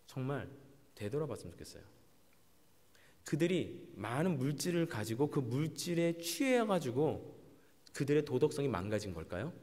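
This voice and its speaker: A man preaching a sermon as pastor, animated, acting out quoted voices with big swings between high and low. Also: big-room sound.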